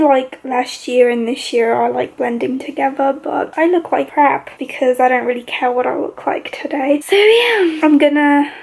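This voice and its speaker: A woman's voice: high voice, darkish tone. A young woman chatting casually in a vlog, gushing and full of "like". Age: young adult. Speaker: book vlogger.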